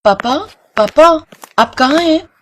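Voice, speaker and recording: Woman playing a high-pitched, plaintive innocent daughter. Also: animated, slow, a bit bright, a little hiss or hum, full character voice. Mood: anxious, pleading. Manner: plaintive, pleading. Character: innocent, anxious young blind daughter.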